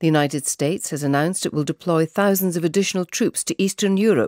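Against a quiet background, a woman with a fairly low voice and a Received Pronunciation accent talks at a fairly quick pace with lively intonation, in a dry sound with no echo. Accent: British Received Pronunciation. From England. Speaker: radio newsreader. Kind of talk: radio news headlines read. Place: studio.

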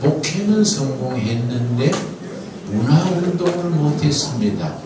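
A man at a very slow pace amid audible room echo and noticeable background noise. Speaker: pastor giving a patriotic lecture. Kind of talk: sermon. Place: hall.

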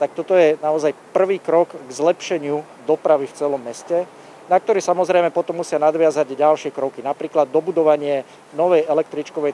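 A man's monotone, flat delivery at a moderate pace, dry with no echo, over light background noise. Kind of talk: press statement. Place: street. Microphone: handheld.

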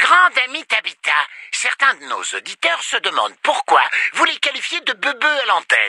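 The put-on character voice sits at a high pitch and moves at a moderate pace. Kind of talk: radio announcer. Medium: audio drama. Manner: upbeat, eager.

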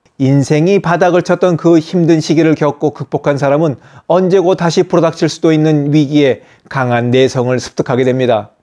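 A man speaks in a dark, mellow tone at a moderate pace. His pitch varies in an ordinary way against a quiet background. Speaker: life advice channel host. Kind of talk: lecture-style talk. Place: home room. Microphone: lapel.

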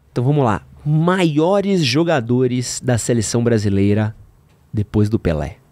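A man with a dark, mellow tone talks at a fairly slow pace, his pitch swinging very widely, in a dry sound with no echo. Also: medium pitch for a man, quiet background. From Brazil. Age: 30s. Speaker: podcast host. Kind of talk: casual chat. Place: studio. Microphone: studio mic.

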